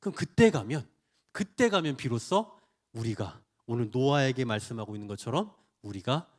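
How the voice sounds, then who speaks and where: A middle-aged man preaching at a church prayer meeting, animated and full of rhetorical questions to the congregation. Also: mid-range voice, moderate pace. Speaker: pastor. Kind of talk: sermon.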